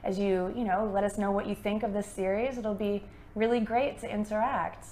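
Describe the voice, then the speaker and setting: A woman's voice: medium pitch, fairly even intonation, moderate pace, dark tone, slight background noise. A young American woman, an English teacher, chatting upbeat and casually in a conversation lesson. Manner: upbeat, chatty, many fillers.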